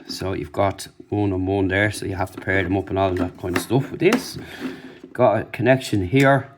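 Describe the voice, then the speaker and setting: Male product reviewer, lowish pitch, informal unscripted unboxing commentary, noisy recording. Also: steady tone, normal speed. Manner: informal, off-the-cuff demonstrating.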